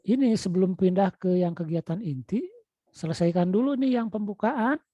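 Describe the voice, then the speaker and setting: A man's voice: sits high, normal speed, no room sound. A man with a Sundanese-influenced Indonesian accent teaching an online class, coaxing and repeatedly calling out to his students. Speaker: lecturer. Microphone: video call. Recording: dull lo-fi video call audio.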